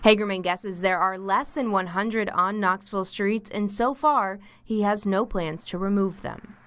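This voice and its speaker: A woman's voice: medium pitch, measured pace, a bit bright. A woman reporting live as a television news field reporter, in a scripted news delivery. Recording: faint outdoor traffic noise.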